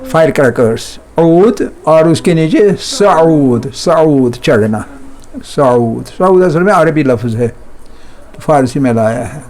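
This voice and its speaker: A man teaches a language class. His voice sits a little high, and he repeats each word slowly, then asks students to say it back and corrects them. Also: lively intonation, a little mellow, slight background noise. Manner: drills words by slow repetition. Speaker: Persian teacher.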